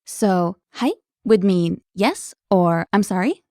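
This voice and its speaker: A woman hosting a language lesson, explaining words clearly in an upbeat, scripted way. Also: mid-range voice, slow, darkish tone, dry recording, studio quality.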